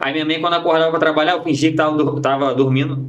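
A man speaks against a quiet background. His pitch is fairly high for a man. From Brazil. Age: 20s. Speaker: bank employee; podcast guest. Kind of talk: casual chat. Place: studio. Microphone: studio mic.

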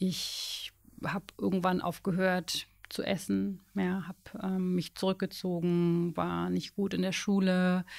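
A woman at medium pitch, very slow and monotone with flat intonation, on a very clean recording with a silent background. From Germany, Berlin. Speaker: coach and hypnotherapist. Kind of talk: testimony.

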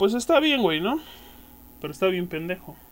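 A man with a high pitch and a Mexican accent. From Mexico. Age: 20s. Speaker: gaming youtuber. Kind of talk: casual vlog. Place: home room.

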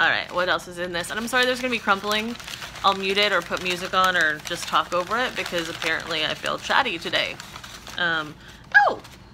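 With an American accent, a woman speaks at a very fast pace with ordinary pitch variation over noticeable background noise. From Oregon, US (Portland area). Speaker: online reseller and video blogger; reseller vlogger. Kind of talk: casual unboxing vlog. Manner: rambling, chatty with fillers. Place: home room. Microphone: phone near.

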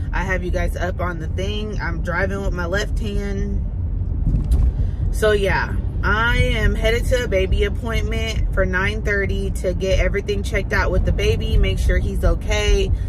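Recorded with a dry sound and no echo, a woman speaks at a moderate pace amid noticeable background noise. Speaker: vlogger. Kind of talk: casual vlog chat. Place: car. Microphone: phone near.

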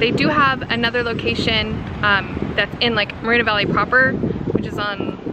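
Loud background noise surrounds a woman speaking at a moderate pace. The sound is dry with no echo, and she takes hardly any pauses. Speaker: vlogger. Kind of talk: casual vlog chat. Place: street. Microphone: phone near.

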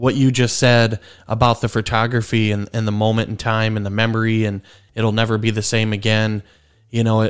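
At a fairly quick pace, a man talks with a medium pitch and monotone, flat intonation. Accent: American. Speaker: podcast host. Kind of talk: casual interview.

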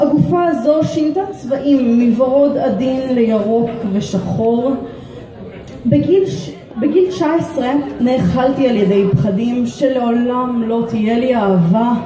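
A woman's high, intense, dramatic voice at a very slow pace with very wide pitch swings, with audible room echo and light background noise. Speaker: spoken word poet. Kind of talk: spoken word poetry. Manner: intense, dramatic, deliberate delivery; confessional, raw, building to defiant close. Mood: dark, intimate, confessional. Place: bar. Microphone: camera far.

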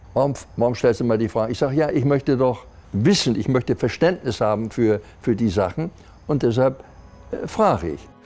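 A man speaking at a fairly quick pace with music in the background. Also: lively intonation. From Flensburg, northern Germany. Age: 80s+. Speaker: book publisher. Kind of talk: interview answer.

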